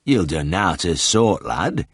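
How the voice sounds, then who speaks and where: A man voicing a slow-drawling old Yorkshire farmer with an unhurried, lazy manner. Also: low-pitched, sing-song, slightly rough, no echo, clean studio sound, exaggerated voice. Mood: laconic.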